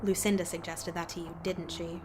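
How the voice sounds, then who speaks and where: An actress playing a stubborn, defiant young woman with an insistent, sharp-tongued manner in an audio drama. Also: fairly low pitch, level tone, brisk, music in the background, lightly acted. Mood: indignant. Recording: clear background noise.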